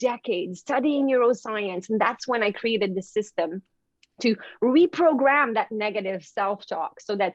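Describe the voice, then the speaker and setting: At a fairly slow pace, a woman with a Quebec accent speaks at a fairly high pitch with lively intonation. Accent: French Canadian accent in English. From Quebec, Canada. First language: French. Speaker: motivational speaker and author. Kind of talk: interview storytelling.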